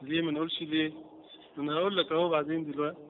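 A man's voice: on the high side, level tone, racing, slight background noise. An Egyptian man teaching a religious lesson, quizzing his class with repeated questions. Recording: tinny lo-fi lecture recording.

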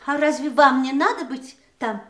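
An actress playing a troubled, polite woman in an audio drama, speaking in a deliberate, expressive storytelling manner. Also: sits high, lightly acted. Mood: anxious, apologetic. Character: troubled, polite woman recounting a frightening dream. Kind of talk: audio stage drama, theatrical monologue.

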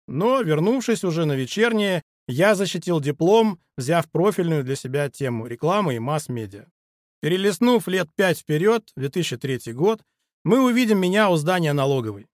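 Brief: male author in his forties, reading his own book aloud, earnest and steady, voice a shade high, dry close sound. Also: dry recording. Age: 40s. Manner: measured, earnest, addresses listener directly. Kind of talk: audiobook narration.

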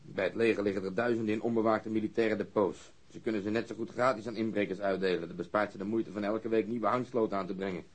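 An actor playing a gruff, sarcastic police detective in a naturalistic radio drama. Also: male voice, fairly low pitch, steady tone, fast, few pauses. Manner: sardonic.

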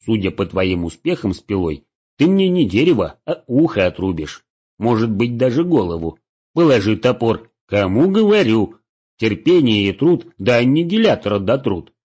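A blunt, teasing adventurer talks in a husky, lively voice, voiced by a male narrator. He stays dry and matter-of-fact. The recording sounds dull and lo-fi. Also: lowish voice, normal speed. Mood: scolding.

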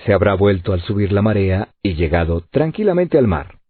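A man voicing a calm middle-aged engineer who explains in a measured way, in a tinny, lo-fi recording. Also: fairly low pitch, slightly rough, no room sound. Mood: reasoning. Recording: tinny phone-like lo-fi audio.

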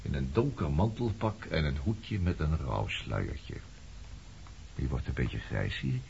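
A man's voice: extremely low pitch, sing-song, unhurried, vocal fry, a little mellow, heavily acted. An actor in a Dutch radio play playing a sardonic man back from the past, coolly needling and provoking. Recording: dull, noisy old radio play recording.

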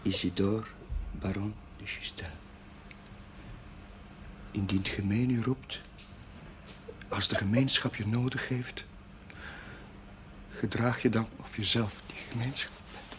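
An actor playing an eager, idealistic young Catholic chaplain in a naturalistic seventies television drama, speaking in an earnest, musing way. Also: male voice, fairly low pitch, steady tone, unhurried, pauses often, fairly bright tone, slight background noise. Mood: reflective. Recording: 1970s television soundtrack with music.

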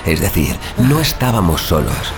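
A man acting a deep-voiced, sardonic vigilante killer. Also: sing-song, normal speed, music in the background. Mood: savoring, sardonic. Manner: savoring, sardonic, literary storytelling. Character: small, scrawny young immortal vigilante killer, sadistic, darkly gleeful. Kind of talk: scripted first-person horror audio drama narration.

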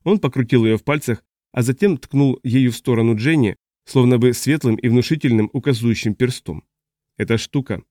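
A man with a medium-pitched voice narrates an audiobook, reading scripted narration in a measured, even storytelling style. The recording is studio quality with no echo.

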